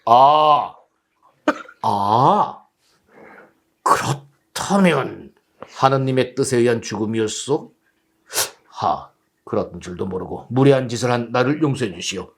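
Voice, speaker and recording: A man's voice: mid-range voice, lively intonation, takes it slowly, creaky, long pauses, a bit bright, pitched below the performer's own voice, exaggerated voice. A man voicing a gallant, deluded old knight with a solemn, declamatory manner in a storybook tale. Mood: apologetic.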